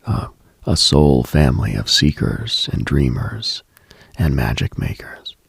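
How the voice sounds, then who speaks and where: A man hosting a late-night spiritual radio show, speaking in a hushed, breathy, reflective monologue. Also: deep voice, no room sound, clean studio sound.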